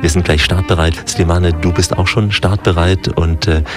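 A man's voice: sits low, steady tone, normal speed, music in the background. A man hosting a radio travel show, chatty and enthusiastic as he asks questions and signs off. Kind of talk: radio travel interview and sign-off.

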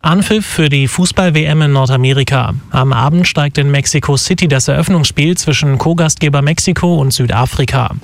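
A man's voice: fairly high pitch, fairly quick, vocal fry, hardly any pauses, no room sound. Dry, formal male newsreader. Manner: steady, formal, matter-of-fact. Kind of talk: radio news bulletin.

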